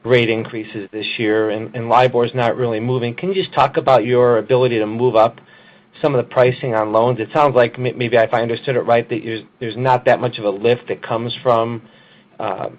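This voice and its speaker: A man's voice: mid-range voice, steady tone, brisk. A man speaking as a financial analyst on an earnings call, asking informal, rambling questions. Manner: casual, rambling phrasing. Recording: muffled lo-fi conference call audio.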